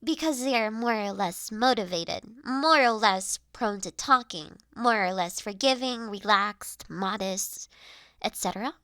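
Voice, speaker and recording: A woman playing a gentle, formal young mistress of a manor in a roleplay audio drama, speaking earnest, caring lines in measured, old-fashioned phrasing. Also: medium pitch, dry recording, studio quality, close to an everyday voice. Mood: gently persuasive.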